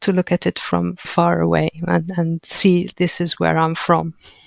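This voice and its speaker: A woman with a Maltese accent at a fairly slow pace, fairly even in intonation, on a very clean recording with a silent background. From Malta. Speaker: author and translator. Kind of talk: interview. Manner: halting.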